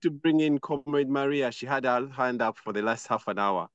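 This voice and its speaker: A man's voice: medium pitch, moderate pace, dull audio, crowd noise. A man moderating an online group discussion, calling on speakers to take their turn. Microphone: online call microphone.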